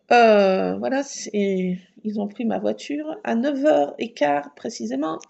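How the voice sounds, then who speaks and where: Husky raspy woman chatting on her vlog, laughs a lot, acts out the voices. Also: fairly high pitch, takes it slowly, highs cut off. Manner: lively, laughing, acts out dialogue and alarm sounds. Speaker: vlogger. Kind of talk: casual storytelling.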